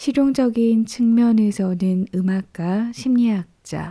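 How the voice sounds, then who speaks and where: Calm in tone, a woman speaks with a dark, mellow, somewhat breathy voice and fairly even intonation. The recording is very clean, with a silent background. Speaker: audiobook reader. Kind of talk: audiobook reading, sleep-time reading ASMR. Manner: calm, soft, slow.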